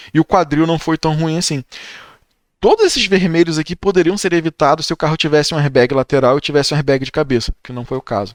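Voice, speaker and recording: An ordinary speaking voice from a man, fairly high and fairly quick, with ordinary pitch variation and a dry, close sound with no echo. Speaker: automotive safety YouTuber. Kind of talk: video reaction commentary. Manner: casual, conversational.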